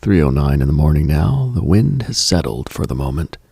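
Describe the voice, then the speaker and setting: A low-voiced man hosting a late-night broadcast, his delivery slow and measured. His husky, gravelly tone often falls to a breathy whisper as he moves through short contemplative lists. The sound is close and dry, with no room around it. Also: sing-song, dark tone, dry recording. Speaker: late-night radio host.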